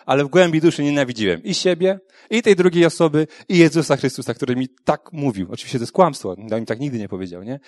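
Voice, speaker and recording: A man's voice: fairly high pitch, expressive, fast, hardly any pauses, a little mellow, dry recording, studio quality. A man giving a frank, earnest personal testimony about faith, talking conversationally with frequent tag questions and restarts.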